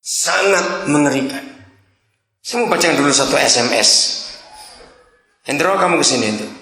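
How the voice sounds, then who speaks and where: A man's voice: a little high, moderate pace. A man preaching a sermon, telling stories and acting out the dialogue in them. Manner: storytelling, animated, acts out dialogue. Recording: echoey hall.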